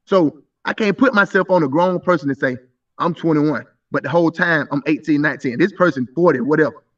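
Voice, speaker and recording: A man in his thirties arguing insistently in a live stream debate, stumbling through repeated restarts. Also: a little high. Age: 30s. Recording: muffled voice from a distance.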